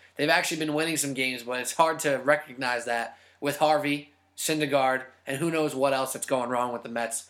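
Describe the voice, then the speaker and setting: This man has a plain, everyday voice with an American accent, pitched fairly high. His intonation is fairly even and his pace fairly quick. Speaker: podcast host. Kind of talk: casual sports banter podcast.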